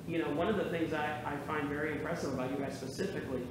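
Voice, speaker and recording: Higher male host on echoey stage. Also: fairly even intonation, rapid-fire. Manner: chatty, affirming, builds long questions. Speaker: talk show host. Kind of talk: interviewing a guest. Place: theater stage. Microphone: far camera. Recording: echoey stage from far off with noise.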